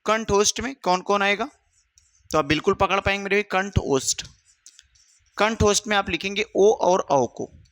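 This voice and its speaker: High, bright-voiced male teacher. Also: no echo. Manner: drills students with questions and answers; addresses students as "my brother". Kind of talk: exam-prep grammar lesson.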